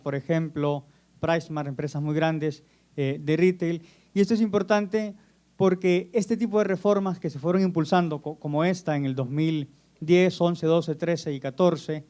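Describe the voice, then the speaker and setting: A man from Honduras with a Honduran Spanish accent, giving a measured talk at an academic conference and pausing often on "eh". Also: on the high side, darkish tone. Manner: measured, with frequent "eh" pauses and self-repeats. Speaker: conference speaker. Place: conference hall.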